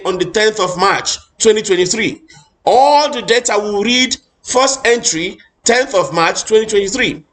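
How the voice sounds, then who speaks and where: High-pitched Nigerian man ranting. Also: a bit bright. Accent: Nigerian English. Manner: emphatic, repetitive, stumbles and restarts often. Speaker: political commentator. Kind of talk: impassioned political commentary.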